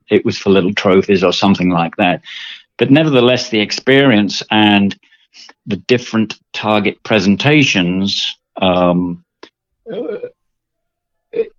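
A man's voice: on the low side, no room sound, highs cut off. An older man from England with an English accent, talking through his story as a guest with lots of fillers and repeated words. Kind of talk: casual interview.

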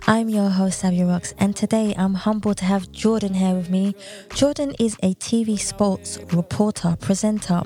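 A woman's voice: medium pitch, dark tone. A woman hosting a podcast interview, encouraging and upbeat with her guest. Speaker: podcast host.

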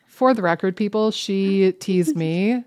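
A woman's voice: medium pitch, a little slow, darkish tone. A woman co-hosting a podcast, chatting casually in a playful way with dramatic asides. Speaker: podcast co-host. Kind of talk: casual chat. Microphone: webcam setup.

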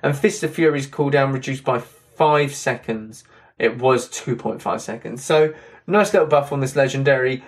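A man with a slightly hoarse, drying voice, chatting casually through game patch notes in a rambling way with many fillers. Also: mid-range voice, moderate pace. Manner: rambling, repeats "that kind of thing", fillers. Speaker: game content creator.

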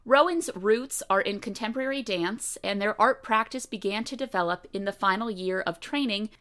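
A woman's voice: medium pitch, normal speed, a bit bright. A woman with an American accent hosting a podcast, reading a guest's biography and then opening a video-call interview in an eager, upbeat way. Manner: upbeat, eager, reads bio aloud. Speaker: podcast host. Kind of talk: podcast interview with scripted intro.

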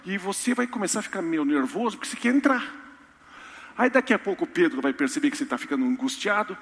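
A man preaching a sermon in a church, humorous and storytelling with lively asides. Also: high voice, fast. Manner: storytelling, humorous, animated impressions. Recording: reverberant church hall.

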